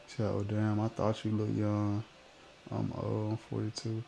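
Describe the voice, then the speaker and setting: His Memphis accent shows as the man, in his twenties, casually works through live-stream comments, slangy and laid-back, trailing off mid-thought. The voice is fairly low, creaky, warm, and monotone at normal speed, with a little hiss or hum in the recording.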